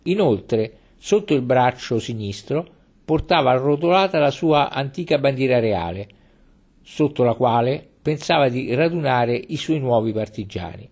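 Man, mid-pitched, deliberate literary narration with dramatic pauses. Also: animated, a little mellow, husky. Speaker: audiobook narrator.

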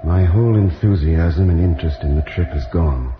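An actor playing an earnest, apprehensive doctor on a moon expedition in a radio science fiction serial. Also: male voice, sits low, normal speed, close to an everyday voice. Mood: grave, bitter. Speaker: actor, narrator. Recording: dull vintage radio recording, music behind.

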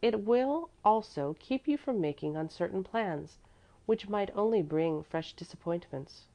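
A woman reading the part of a kind, wise motherly woman who speaks tenderly and calmly to comfort a child. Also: medium pitch, a little slow, lo-fi sound, voice pushed up. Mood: firm. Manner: tender, calm, reassuring.

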